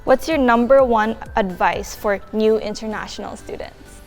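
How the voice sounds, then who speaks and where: A woman's voice: a little high, moderate pace, faint music behind. A young woman from the Philippines, a university student, chatting casually about student life and filling her talk with "like". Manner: chatty, many filler likes. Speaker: international student.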